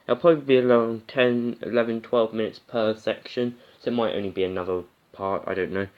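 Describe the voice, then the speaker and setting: A man's voice: lowish voice, steady tone, fairly quick, highs cut off. A man hosting a let's play, chatting casually and reading a visual novel aloud. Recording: music behind the voice. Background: music.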